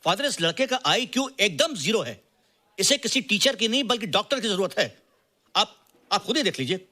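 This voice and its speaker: A man's voice: high voice, sing-song, moderate pace, sharp tone, full character voice. An actor playing an arrogant male teacher who talks down to a student with contempt in a film scene. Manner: contemptuous, belittling. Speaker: computer teacher. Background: film music.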